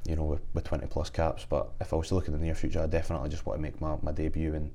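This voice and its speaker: Very deep, gravelly young Scottish man. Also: monotone, racing, dark tone. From Scotland. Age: young adult. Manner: matey, hesitant phrasing with repeated filler phrases. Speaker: professional footballer being interviewed. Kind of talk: casual sports interview.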